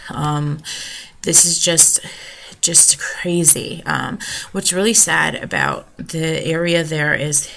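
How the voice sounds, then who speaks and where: An American woman talks unscripted to her vlog audience in a low-pitched voice full of creaky fry. Her delivery is serious and halting, wandering from one trailing sentence to the next. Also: steady tone, pushed and bright. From United States, New Jersey shore. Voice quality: gravelly vocal fry. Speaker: vlogger, storm survivor. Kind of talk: unscripted personal vlog monologue.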